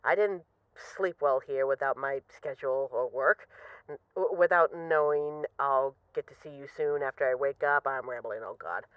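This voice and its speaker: A woman's voice: rumbling low, normal speed, clear, resonant tone, dry recording, lo-fi sound. A woman acting as a bored, restless mafia boss who misses a partner, talking in a wry, dramatic, rambling way in an intimate voice-message roleplay. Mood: sleepy, awkward.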